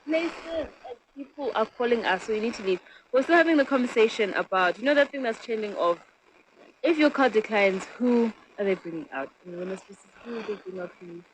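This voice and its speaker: A woman's voice: on the high side, expressive, fairly quick, slight background noise, low-quality recording. A woman presenting live radio in a chatty style, heard through a small radio speaker.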